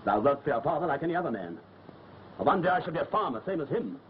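Intense, swooping young gypsy lover. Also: male voice, fairly high pitch, very animated, fast talker. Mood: pleading, passionate. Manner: intense, brooding. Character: passionate, jealous, proud young gypsy man. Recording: muffled old film with faint hiss.

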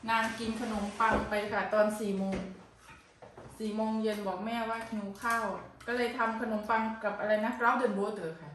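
Cooking and eating at home, an Isan-accented woman from northeastern Thailand, a mother who vlogs, talks casually and coaxes her child in the kitchen. Her fairly high voice is steady and normally paced against a noisy background. The room echoes, the mic sits far off, and dishes clatter.

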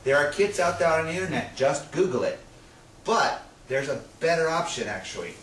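A man's voice: a little high, big pitch swings, normal speed, fairly bright tone. A middle-aged man presenting to camera in a playful, showman-like way, demonstrating as he explains. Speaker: science presenter. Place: small indoor room with projector screen. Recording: roomy, distant camera mic, noisy.

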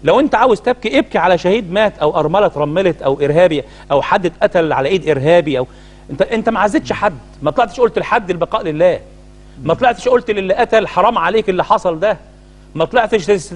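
Firing off indignant rhetorical questions at rapid-fire speed, a middle-aged man with an Egyptian Arabic accent speaks in a high voice. He's a Muslim cleric co-hosting a talk show, giving heated studio commentary.

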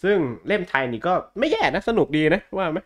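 A man's voice: high voice, huge pitch swings, quick pace. A man chatting casually as a podcast host, blunt, slangy and jokey. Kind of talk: casual chat about comic books.

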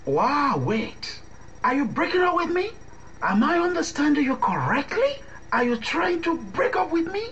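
A man's voice: very high voice, very animated, moderate pace, a bit bright, muffled recording, a little hiss or hum, heavily acted. A man playing a defensive, sarcastic young boyfriend in a radio drama, with an argumentative manner. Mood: indignant. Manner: indignant, sarcastic.

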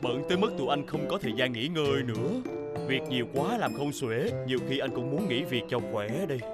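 A dutiful, tired young policeman voiced by a man at medium pitch. Cartoon music plays behind him. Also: lively intonation, a little fast, close to an everyday voice. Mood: weary. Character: weary, dutiful young male police officer. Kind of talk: animated children's cartoon dubbing.

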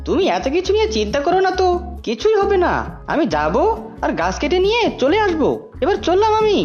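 A woman's voice: very high-pitched, big pitch swings, moderate pace, a little mellow, voice pushed up. A woman voicing a breezy but timid male fox woodcutter in a cartoon, with a swooping delivery. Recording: dull lo-fi audio with music.

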